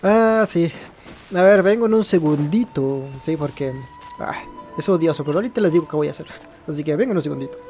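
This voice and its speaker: A man's voice: fairly high pitch, expressive, fast, a little mellow. A man with a Mexican Spanish accent giving casual, informal gameplay commentary in a hesitant way. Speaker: gaming video creator. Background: faint game music.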